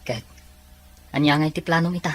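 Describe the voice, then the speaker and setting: A woman voicing a supportive, inquisitive young male buddy with a husky voice in an amateur audio drama. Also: low-pitched, steady tone, brisk. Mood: concerned, accepting.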